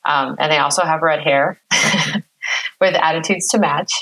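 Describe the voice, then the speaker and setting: A middle-aged woman with a low-pitched voice talks as a podcast guest. She introduces herself in a casual, informal style. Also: a little slow, fairly bright tone, rough recording.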